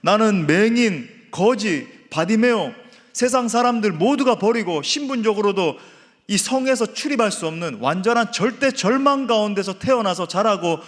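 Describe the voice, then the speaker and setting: A man preaching who acts out a desperate blind male beggar crying out for help, in a pleading manner. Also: sits high. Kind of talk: sermon role-play. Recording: reverberant church hall.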